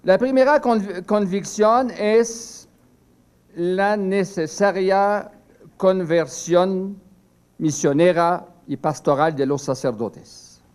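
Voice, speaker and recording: An older priest whose first language is French, giving a seminar talk from a prepared text, slow and halting with many pauses and restarts. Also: male voice, high voice, darkish tone, smooth.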